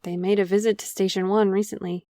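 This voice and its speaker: A woman's voice: medium pitch, level tone, quick pace, dark tone, no echo, studio quality, close to an everyday voice. A woman in an audio drama playing an apologetic, privileged official who speaks politely and earnestly. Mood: polite, awkward.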